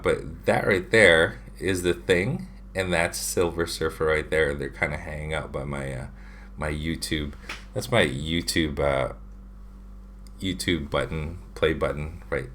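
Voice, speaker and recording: With a low-pitched, fairly bright voice, a Filipino man in his thirties hosts a casual stream for his drawing channel. He sits at a desk webcam in a home room full of figure shelves. Chatty and filler-heavy, he reads viewers' questions aloud and responds.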